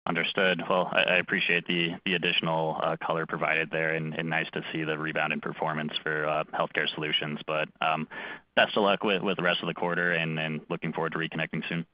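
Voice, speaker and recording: A man's voice: rumbling low, level tone, fast talker, dry recording. A man speaking as an analyst on an earnings call, in polite business talk over a slightly dull phone line. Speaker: analyst caller. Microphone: telephone.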